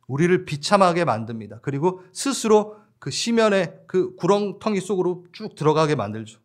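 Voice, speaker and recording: A man preaching a church sermon as pastor, lively and laughing along with the congregation while acting out voices. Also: a little high.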